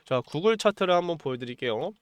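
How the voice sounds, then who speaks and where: A man with a cold delivers a pushy stock-market pitch, his voice a little high and smooth despite the strain. He keeps the tone urgent and promotional, circling back to the same points. The sound is close and dry with no room around it. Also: animated, fast talker, no echo. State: has a cold, voice a bit strained. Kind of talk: stock analysis monologue with sales pitch.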